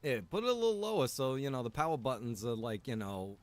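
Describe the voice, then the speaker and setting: A man chatting casually in game roleplay, repeating himself and pausing as he talks. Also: mid-range voice, sing-song. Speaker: roleplay game streamer and server developer.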